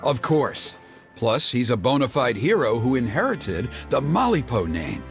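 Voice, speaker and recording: An earnest tribal man in a video game. His delivery swings widely up and down, expressive and easily exasperated. Prominent music plays behind him. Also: medium pitch, a little slow. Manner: expressive, grumbling, mimics others mockingly. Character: earnest, exasperated tribal elder man organizing a fire ceremony. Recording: loud background music over voice.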